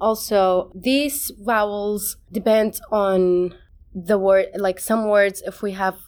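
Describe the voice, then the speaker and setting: A woman with an Arabic accent, medium pitch and fairly even intonation, on a very clean recording with a silent background. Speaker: linguistics student, Arabic speaker. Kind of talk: interview. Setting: university department.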